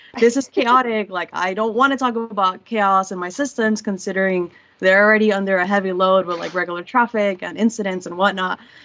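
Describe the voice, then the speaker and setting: Speaking at a fairly quick pace with hardly any pauses, a woman has a Spanish accent. Her intonation stays fairly even. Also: medium pitch for a woman. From Costa Rica. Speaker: chaos engineer and developer advocate. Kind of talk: casual interview chat. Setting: livestream show.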